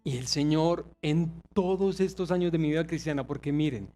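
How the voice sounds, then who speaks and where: A man's voice: on the high side, moderate pace, warm tone, faint music behind. A man, preaching a confessional sermon and acting out quoted voices. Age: 30s. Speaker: pastor.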